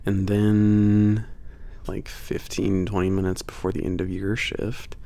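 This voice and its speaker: A man playing a teasing werewolf trainer with a bit of an attitude in an ASMR roleplay, gravelly, casual and hesitant in his banter. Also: fairly low pitch, little pitch movement, slow pace, dark tone. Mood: reassuring. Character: teasing, gruff-edged male werewolf trainer at a spaceport. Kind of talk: ASMR roleplay, naturalistic one-sided conversation.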